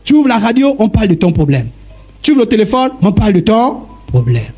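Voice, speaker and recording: A man preaching a sermon, emphatic and addressing listeners directly, with a husky voice. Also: high-pitched, very animated, brisk, darkish tone, faint music behind. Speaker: pastor.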